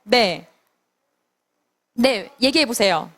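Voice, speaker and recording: A woman's voice: fairly high pitch, animated, very slow, fairly bright tone. A Sunday school teacher, a woman, telling a Bible story to children and asking them questions as she goes. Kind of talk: children's sermon.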